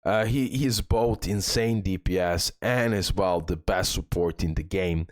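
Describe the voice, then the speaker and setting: In a close, dry recording with no echo, a low-voiced man unhurriedly presents a gaming guide. He reads ability descriptions aloud, breaks them down informally with tips, and speaks directly to his viewers, repeating key points for emphasis.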